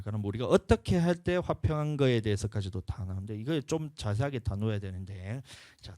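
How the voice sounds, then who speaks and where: A male pastor with a Gyeongsang accent preaches in a folksy, storytelling manner and keeps urging his congregation to join in. His pitch swings widely as he speaks, and the sound is dry and close, with no room echo. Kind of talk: sermon at a revival service.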